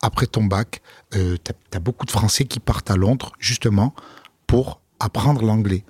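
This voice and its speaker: Husky low-voiced man telling stories. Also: normal speed, no echo. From France. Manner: relaxed storytelling, many fillers and restarts. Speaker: comedian guest. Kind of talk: casual interview talk.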